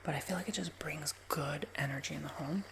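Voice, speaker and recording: A man in his twenties with a nasal, raspy voice, giving a soft, rambling ASMR whisper with many fillers. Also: on the high side, fairly quick, a little hiss or hum, poor audio. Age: 20s. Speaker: ASMR creator.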